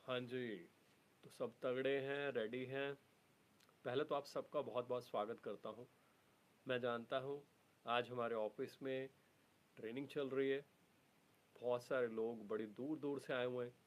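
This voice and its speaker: Slow-talking man hosting a live stream. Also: mid-range voice, fairly even intonation. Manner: reads out viewer cities in long lists; mixes English words into his speech. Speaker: live-stream host and trainer. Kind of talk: live-stream chat reading viewer messages. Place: office.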